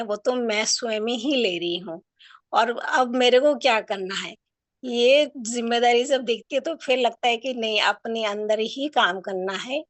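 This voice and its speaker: A woman's voice: on the high side, no echo. Earnest woman sharing reflections, dry sound. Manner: earnest, rambling, addresses teacher as didi. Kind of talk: casual sharing in an online class.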